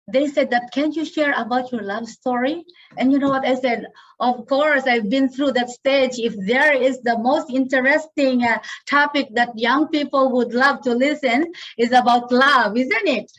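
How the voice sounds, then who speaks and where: A hoarse woman speaks on a video call in a high voice. She talks to her listeners directly and keeps checking that they follow. The call audio sounds dull and lo-fi. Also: normal speed, fairly bright tone. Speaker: guest speaker, wife. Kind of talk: talk to a church youth group.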